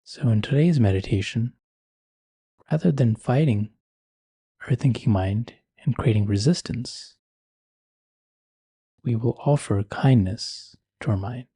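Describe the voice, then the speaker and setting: A man leading a guided meditation in a soothing, measured and gentle manner. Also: medium pitch, breathy edge, no echo.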